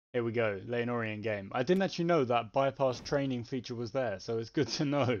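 The man's pace is moderate, and his pitch varies in an ordinary way. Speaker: gaming youtuber. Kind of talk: casual gaming commentary. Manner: chatty, casual. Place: home room.

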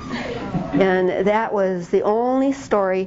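Over noticeable background noise, a woman speaks at medium pitch. Her pitch variation is ordinary. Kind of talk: testimony.

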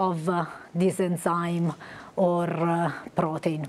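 A woman with an Italian accent. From Italy. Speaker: scientist, professor. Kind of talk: lecture. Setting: stage with audience. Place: hall. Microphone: lapel.

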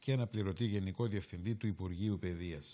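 In a dark, mellow tone, a man speaks at a fairly low pitch with ordinary pitch variation. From Cyprus. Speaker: TV talk show host. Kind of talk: TV talk show with phone-ins. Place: studio. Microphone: lapel.

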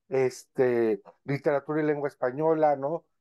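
A man speaks with a central Mexican accent and fairly even intonation. The background is quiet. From Mexico City. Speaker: historian and professor; guest. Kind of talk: interview on education. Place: home room. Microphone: video call.

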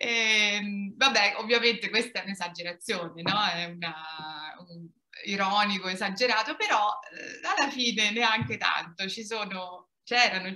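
Over a quiet background, a woman talks at a moderate pace. Her pitch variation is ordinary. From Italy. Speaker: Italian language teacher. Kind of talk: lecture. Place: home room. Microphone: webcam.

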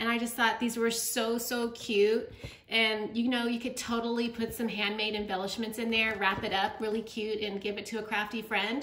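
With light noise behind her and audible room echo, a woman speaks at a moderate pace in a flat, monotone delivery. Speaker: crafting channel host. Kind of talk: casual haul vlog chat. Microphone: phone near.

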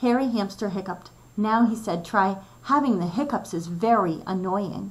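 Plain reading aloud. The pitch varies in an ordinary way.

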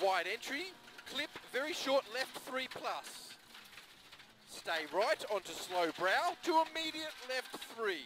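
Loud and at a very slow pace, a man with an Australian accent makes very wide pitch swings with long, frequent pauses over noticeable background noise. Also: dry sound with no echo. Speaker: rally co-driver. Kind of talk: pace note calls. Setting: in a rally car at speed. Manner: clipped, terse, machine-gun delivery of turn codes; urgent and loud, repeating calls for emphasis. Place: car. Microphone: headset.

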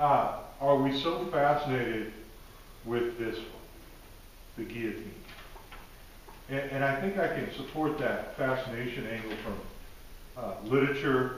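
Amid strong room echo and light background noise, a man speaks at a moderate pace with ordinary pitch variation and long, frequent pauses. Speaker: lecturer. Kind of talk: lecture. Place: classroom.

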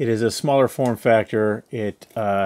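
The speaker is a man. His pitch moves in an ordinary way. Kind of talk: casual unboxing chat. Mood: wry, mildly regretful.

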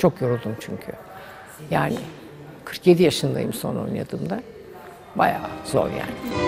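Clear music plays in the background as a woman speaks at a moderate pace. Her loudness swings widely. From Turkey. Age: 70s. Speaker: retired ballerina and ballet teacher. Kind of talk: interview answer recalling her career. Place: hall.

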